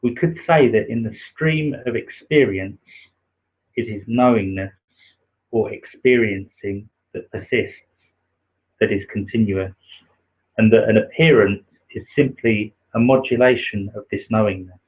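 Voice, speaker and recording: A soft-spoken man with a low, husky voice that stays flat and even. He talks hesitantly, with pauses and fillers, and reads slowly and contemplatively. The sound is dull and lo-fi, like a home livestream. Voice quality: naturally quiet voice. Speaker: livestream host reading aloud. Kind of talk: slow contemplative reading of a spiritual text.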